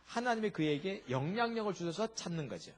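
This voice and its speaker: A male pastor delivering a sermon, asking his congregation frequent rhetorical questions in an animated preaching manner. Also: high-pitched, a little fast.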